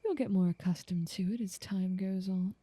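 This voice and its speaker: A woman playing a doting, possessive noble vampire in an ASMR roleplay, speaking softly and coaxingly in genteel words, often slipping into a whisper, close to the mic. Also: mid-range voice, slightly rough, no room sound, natural voice. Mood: doting, indulgent. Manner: slow, soothing, coaxing, genteel wording. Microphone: close, dry microphone.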